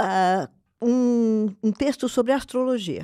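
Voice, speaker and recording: A woman's high-pitched voice with a dark, mellow tone, dry and close with no echo, on a very clean recording against a silent background. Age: 60s. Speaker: philosophy of education scholar. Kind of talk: interview.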